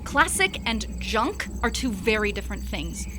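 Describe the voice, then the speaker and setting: A woman's voice: medium pitch, very animated, normal speed, lightly acted. A woman playing an anxious, sarcastic young fiancée in a horror radio play, with crickets behind her. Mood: irritated. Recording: noisy, insect sounds behind.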